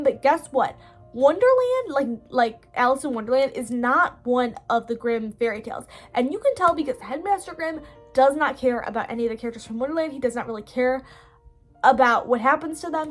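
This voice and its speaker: A young woman recapping a story casually in a chatty, indignant way, with lots of "like" fillers. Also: a little high. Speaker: video creator.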